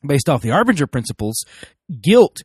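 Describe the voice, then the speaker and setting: A man's voice: a little high, very animated, normal speed, darkish tone, husky, no room sound, clean studio sound. A man hosting a solo parenting podcast, sounding a little stuffy from a cold, talking casually with frequent fillers. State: stuffy nose. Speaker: podcast host.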